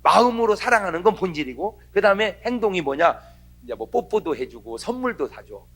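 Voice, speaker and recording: A middle-aged man preaching a revival sermon with a husky, slightly rough voice. He tells comic stories, swinging his pitch widely as he acts out the people in them. His voice sits high for a man. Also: brisk. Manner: animated storytelling, acts out quoted voices with dialect. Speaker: pastor.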